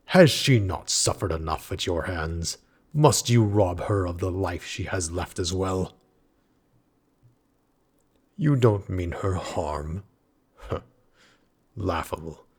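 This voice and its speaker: A man's voice: low voice, darkish tone, full character voice. A man voicing a grim, weary earthen knight guarding a goddess, speaking formally and archaically in a dramatic audio roleplay. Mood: angry, threatening, then wary, stern. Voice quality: gravelly, husky. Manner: archaic, formal, menacing, slow.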